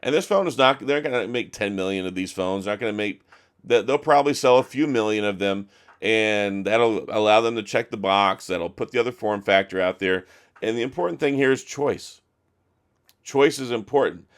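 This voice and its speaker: Hoarse, chatty man reviewing phones. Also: fairly low pitch, normal speed. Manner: chatty, opinionated, frequent restarts. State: hoarse, losing his voice. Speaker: tech reviewer. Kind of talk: casual talk to camera.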